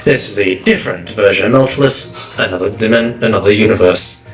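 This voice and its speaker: Slightly hoarse guy reading game story on stream, cracking jokes, echoey room, music playing. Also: fairly low pitch, a little fast, fairly bright tone. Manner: joking, wry asides. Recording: roomy distant mic, music behind.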